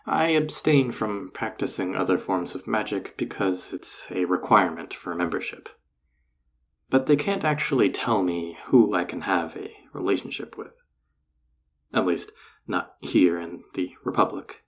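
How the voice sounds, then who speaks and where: A man playing a flirty, self-assured enchanter boss in an audio roleplay, teasing and coaxing the listener in a husky, gravelly voice. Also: low voice, lively intonation, measured pace, full character voice. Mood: casual, persuasive. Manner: teasing, coaxing, casually confident. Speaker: voice actor. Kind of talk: intimate scripted audio roleplay addressed to the listener.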